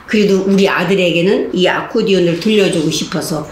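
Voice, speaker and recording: An older woman, a Catholic nun, telling stories, acting out the voices of the people in them. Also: brisk. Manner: animated, acts out voices of inmates and guards with big pitch jumps. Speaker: Catholic nun giving a laughter-therapy talk. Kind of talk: lively storytelling lecture. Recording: echoey hall with faint noise.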